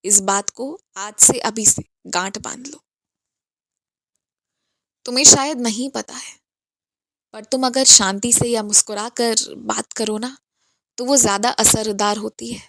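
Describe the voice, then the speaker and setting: A gentle, coaxing spiritual master counsels a devotee in a devotional message, voiced by a woman in her own fairly high voice. The delivery is instructive and patient. The recording is dry and close, with no room sound. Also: fairly even intonation, unhurried, long pauses, no echo. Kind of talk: devotional message read in first person as the master.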